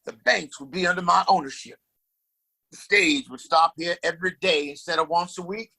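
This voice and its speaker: Guy acting as scheming old west boss, high creaky voice, pompous, grand speeches. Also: moderate pace, pushed and bright, heavily acted, poor audio. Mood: grandiose, scheming. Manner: grandiose, commanding, wordy. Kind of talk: audio play acting.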